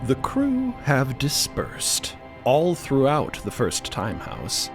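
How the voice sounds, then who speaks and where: A man's voice: mid-range voice, huge pitch swings, slow pace. Dramatic male narrator, music underneath. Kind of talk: scripted audio drama narration.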